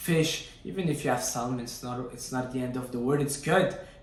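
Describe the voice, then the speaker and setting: Through audible room echo and noticeable background noise, a man speaks at a moderate pace with fairly even intonation. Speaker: fitness youtuber. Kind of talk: casual tutorial to camera.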